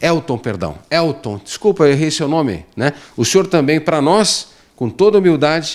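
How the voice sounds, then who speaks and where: Lively in intonation and marked by vocal fry, a man's fairly high voice moves at a moderate pace. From Brusque, Santa Catarina, southern Brazil. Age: 60s. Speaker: TV talk show host. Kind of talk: TV interview and on-air criticism. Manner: indignant, emphatic.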